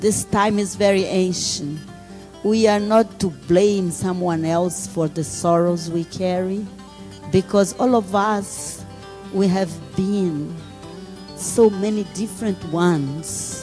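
Faint music plays behind a woman who speaks at a very slow pace with fairly even intonation. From Brazil. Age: old. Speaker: spiritual healer and ceremony leader. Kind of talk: spiritual teaching talk. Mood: calm, earnest, reflective. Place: hall. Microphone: handheld.

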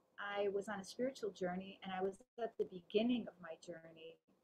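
A woman at medium pitch, with music in the background. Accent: American. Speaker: spiritual speaker and songwriter. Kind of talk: personal testimony. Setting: Zoom video call.

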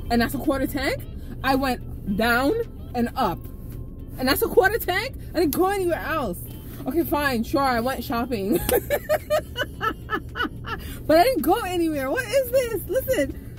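Clear music plays behind a woman speaking in a high pitch at a moderate pace, with long, frequent pauses and a dry sound with no echo. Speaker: vlogger. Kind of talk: casual vlog chat. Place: car. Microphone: phone near.

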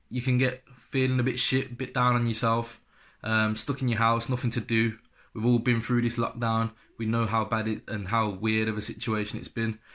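A man talks with a British accent over a quiet background. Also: moderate pace. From UK. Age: 20s. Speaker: vlogger. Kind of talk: casual vlog monologue. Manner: animated. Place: home room. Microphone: phone near.

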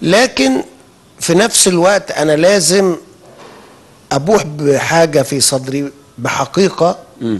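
A man talks at a very slow pace with lively intonation, leaving long, frequent pauses. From Egypt. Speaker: football coach. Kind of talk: interview; interview answer. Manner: halting. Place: studio. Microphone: handheld.

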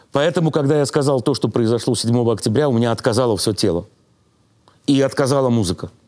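Talking at a very fast pace with long, frequent pauses, a man keeps very even loudness, ordinary pitch variation and a dark, mellow tone. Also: medium pitch for a man, quiet background. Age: 60s. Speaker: jazz pianist; guest. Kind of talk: interview; interview answer. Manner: halting, with filler sounds. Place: studio. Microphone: lapel.

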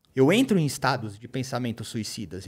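Lively intonation carries this moderate-paced speech on a very clean recording with a silent background. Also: man. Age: 40s. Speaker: author speaking about addiction recovery. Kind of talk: casual interview chat.

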